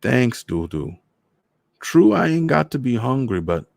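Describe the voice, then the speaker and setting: A man's voice: mid-range voice, very animated, measured pace, gravelly, a little mellow, no echo, pitched above the performer's own voice. A man voicing a lonely, cheerful old man from Trinidad, speaking in a lilting island dialect with a Trinidadian accent. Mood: wistful.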